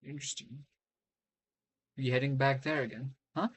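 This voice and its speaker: A man's voice: mid-range voice, steady tone, moderate pace, slightly rough. A man live-streaming a game, reading dialogue aloud and reacting casually.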